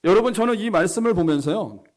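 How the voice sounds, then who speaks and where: A man's voice: high-pitched, lively intonation, fast. A male pastor preaching a sermon, repeating key phrases and calling out to the congregation again and again. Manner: repetitive, keeps addressing the congregation.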